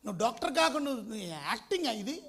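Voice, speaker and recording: A male preacher with a strikingly high, bright voice delivers an emphatic sermon. He keeps firing questions at the congregation and slips English phrases into his speech. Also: very animated, racing, husky. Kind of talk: Telugu sermon.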